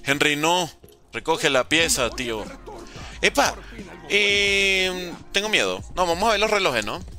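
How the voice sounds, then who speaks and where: A man's voice: fairly high pitch, big pitch swings, unhurried, sharp tone. A young man, chatting casually and joking as he reads out viewer questions during a live game stream. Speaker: gaming streamer. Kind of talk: casual live-stream chat while playing. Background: faint background music.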